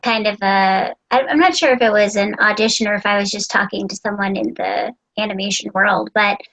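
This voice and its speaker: A woman's voice: mid-range voice, fairly even intonation, brisk, vocal fry, fairly bright tone, poor audio. A woman host and voice actor chatting casually, with a chatty way of talking full of "like" and "you know.". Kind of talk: casual interview chat.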